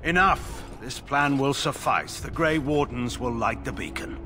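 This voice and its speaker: An actor playing a stern older military commander in a fantasy game, disdainful and commanding. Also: male voice, mid-range voice, normal speed, fairly bright tone, faint music behind, close to an everyday voice. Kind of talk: fantasy video game acting.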